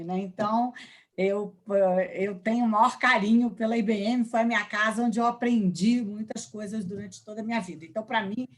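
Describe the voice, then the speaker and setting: A woman with a Brazilian accent, moderating a live business panel. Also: mid-range voice.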